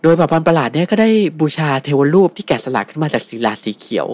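A man retells an old tale at a brisk clip, relaxed and chatty, with plenty of fillers. The sound is close and dry, with no room around him. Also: a little high, dry recording. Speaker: guest storyteller. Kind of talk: casual storytelling chat.

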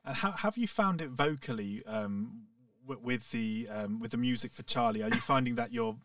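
A man's voice: medium pitch, moderate pace, fairly bright tone, recorded from a distance, faint music behind. A man hosting a podcast, asking thoughtful, hesitant interview questions. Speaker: podcast host.

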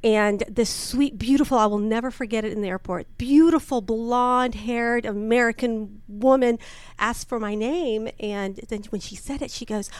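A woman from Peru chats as a radio guest, her voice a touch high and set in a dry studio sound. She tells her stories with lively energy and acts out the voices as she goes. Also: moderate pace, clear, resonant tone, no echo. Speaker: guest, worship singer. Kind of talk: casual radio interview chat.

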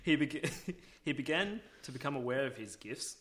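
Aussie bloke telling a story on a podcast, voice goes up and down a lot, laughs easily. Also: male voice, mid-range voice, normal speed. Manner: laughs easily, animated, swears casually. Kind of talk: casual storytelling chat.

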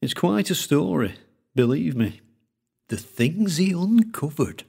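A man voicing an older male collector with a thick Lancashire accent, speaking in a slow, droning storytelling way. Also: fairly high pitch, very animated, gravelly, a little mellow, husky, pitched above the performer's own voice, exaggerated voice.

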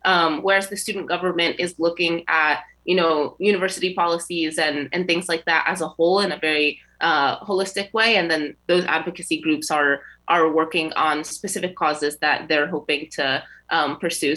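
Young female student guest, bright and crisp, lowish pitch, thoughtful and articulate. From United States. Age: young adult. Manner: measured, articulate, frequent ums. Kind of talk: radio interview.

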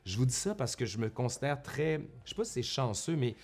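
A man's voice: medium pitch, big pitch swings, a little fast, a little mellow. Chatty man with a Québécois accent. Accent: Québécois French. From Quebec, Canada. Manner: chatty, self-correcting, with colloquial asides. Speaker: history YouTuber and university professor. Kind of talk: casual vlog monologue to viewers. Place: at home in front of a bookshelf.

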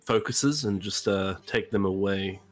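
A man's voice: lowish voice, measured pace. A man chatting casually as a player in a tabletop roleplaying game, thinking aloud hesitantly as he decides what to do.

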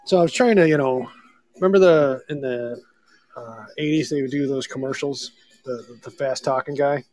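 A man's voice: mid-range voice, moderate pace, a little mellow. Man, comedy co-host, thick-tongued stumbling delivery, casual mock-disclaimer banter, background music. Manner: stumbling over words as if with a swollen tongue. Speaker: podcast co-host.

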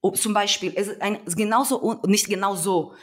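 Her mid-range voice stays fairly even in intonation as she talks briskly. She is a young adult activist from Brazil with a Brazilian Portuguese accent, earnest and emphatic in a conversational interview and often reaching for her words.

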